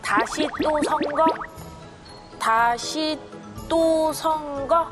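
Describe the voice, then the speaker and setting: Higher-voiced woman co-host over music. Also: drawn-out words. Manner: polite, complimentary. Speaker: talk show co-host. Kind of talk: playful scripted quiz hosting. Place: broadcast studio talk show. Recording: music behind the voice.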